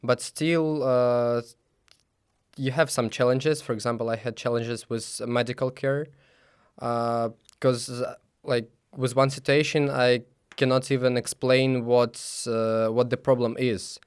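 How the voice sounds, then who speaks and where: A young man from Ukraine with a Ukrainian accent, answering interview questions haltingly with many fillers and restarts. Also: medium pitch, fairly even intonation, clear, resonant tone, dry recording, clean studio sound. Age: young adult. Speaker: student guest.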